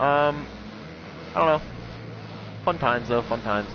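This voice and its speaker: A man talks with lively intonation at a fairly quick pace and medium pitch while noticeable background noise plays behind him. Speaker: gaming YouTuber live streaming. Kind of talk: casual live stream commentary while gaming. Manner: loud.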